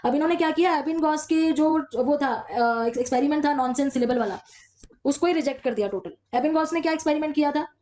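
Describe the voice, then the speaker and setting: A woman teaching an exam-prep lecture, explaining step by step and slowly reading out English textbook lines between her own explanations. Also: high voice, darkish tone, slight background noise.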